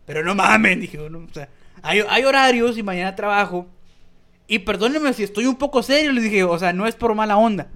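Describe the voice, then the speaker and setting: With a high pitch, lively intonation, and a bright, forceful tone, the young Mexican man talks a little fast. He co-hosts a podcast, swearing freely and using slang as he rambles through a casual story.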